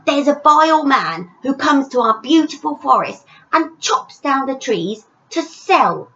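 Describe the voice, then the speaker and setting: A woman's voice: high voice, expressive, a little slow, bright, forceful tone, dull audio, voice pushed up, full character voice. A woman voicing a bold, earnest young village boy in a children's story, speaking emphatically. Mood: earnest, indignant.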